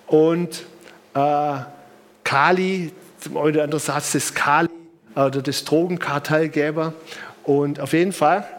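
A middle-aged man with a southern German accent preaching informally, with conversational anecdotes and emphatic repetition. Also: a little high. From Bamberg, Germany. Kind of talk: sermon with personal anecdotes.

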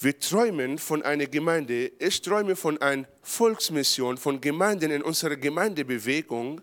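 Impassioned preacher with an Israeli origin. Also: male voice, a little high, expressive, normal speed. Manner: impassioned, builds to loud emphatic peaks; non-native German with grammar slips. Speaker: pastor. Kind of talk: charismatic sermon.

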